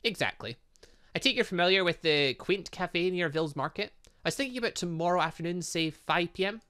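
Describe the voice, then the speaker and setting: A man reading a playful, scheming middle-aged mother from a game, in a slightly lower, smooth tone. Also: expressive, a little fast, pushed and bright. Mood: coy scheming.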